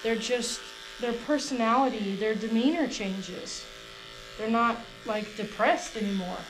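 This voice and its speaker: Fairly slow speech with fairly even intonation amid noticeable background noise. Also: woman. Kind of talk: casual vlog chat. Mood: explaining, slightly defensive. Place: shop.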